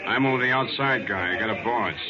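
A man's voice: fairly low pitch, a little fast, crowd noise, close to an everyday voice. An actor playing a pushy male gang henchman in a 1940s radio crime drama, with a slangy, offhand way of talking. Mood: sly, offhand. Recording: dull, noisy vintage 1940s radio recording.

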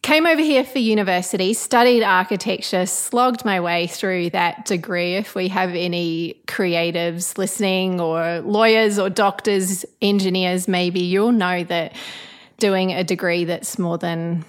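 A woman's voice: fairly low pitch, steady tone, unhurried. Chatty New Zealand woman, reflective. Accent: New Zealand, with some Australian. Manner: chatty and reflective, laughs often, small restarts. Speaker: guest, architect turned business coach. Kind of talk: casual interview chat. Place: home kitchen.

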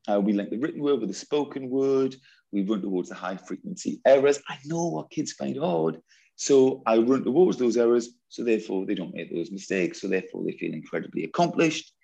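A man from northeast England with a Geordie accent, a teacher talking animatedly in an interview, jokey and quick to repeat himself. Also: medium pitch, vocal fry, rough recording. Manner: lively, jokey, repeats words.

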